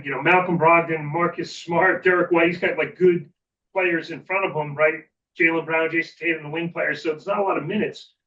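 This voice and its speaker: A man's voice: fairly high pitch, a bit bright, recorded from a distance, dull audio. A man speaking as an interview guest in a casual, reflective way, informally checking in with the listener as he goes. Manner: informal, reflective, often checks in with 'you know'. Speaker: sports executive, podcast guest.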